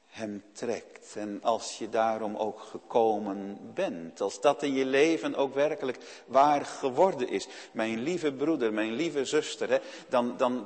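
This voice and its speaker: A man preaching a sermon, earnest and speaking directly to his listeners with frequent "hè" tags. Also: mid-range voice. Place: church. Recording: long church reverb.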